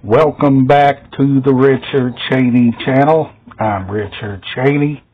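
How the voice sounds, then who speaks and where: A middle-aged man hosting a casual show-and-tell vlog at home, talking haltingly in short phrases with long gaps. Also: medium pitch, fairly even intonation, husky, phone-quality sound. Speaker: video host showing a music collection. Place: small indoor room at home.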